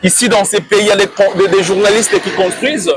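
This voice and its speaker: A man's voice: high voice, steady tone, quick pace. A man from Congo with a Congolese French accent, a journalist talking as a guest, confident but with many hesitant fillers. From Democratic Republic of the Congo. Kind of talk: casual interview talk.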